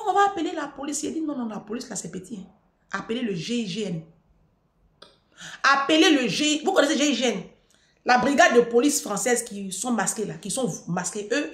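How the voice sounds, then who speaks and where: A middle-aged woman vlogging, telling a story and giving advice in an emphatic way, repeating her phrases and rising to near-shouting at her peaks. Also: mid-range voice, roomy sound. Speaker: vlogger answering a viewer.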